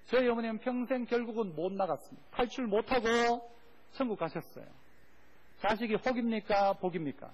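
A male pastor, preaching a sermon with call-and-response and questions to the congregation. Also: very high-pitched. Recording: dull lo-fi recording.

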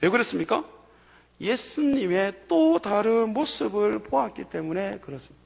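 A man's voice: sits high, expressive, moderate pace, gravelly. A man preaching a sermon as pastor, building to emphatic, raised bursts. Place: church sanctuary. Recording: long hall reverb.

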